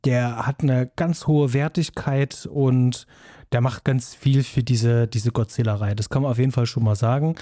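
Chatty German man with a mellow voice. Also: mid-range voice, steady tone, normal speed, dry recording, clean studio sound. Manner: chatty, many filler sounds, enthusiastic. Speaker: podcast co-host. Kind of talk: casual film podcast chat.

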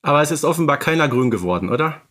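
A man's voice: fairly high pitch, expressive, racing, fairly bright tone. A man hosting a podcast, interviewing his guests in a casual, chatty style. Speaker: podcast host.

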